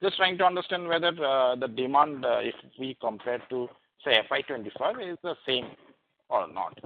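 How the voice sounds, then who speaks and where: A male analyst with an Indian accent puts questions on a conference call through a headset. His mid-pitched voice is narrowed by the phone line, and his phrasing is hesitant and circles back on itself. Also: lively intonation, normal speed, a little hiss or hum.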